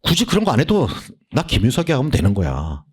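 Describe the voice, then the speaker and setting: Animated blunt man lecturing. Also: medium pitch, fast talker, slightly rough. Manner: blunt, animated, acts out students' voices. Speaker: English literature lecturer. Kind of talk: casual lecture orientation.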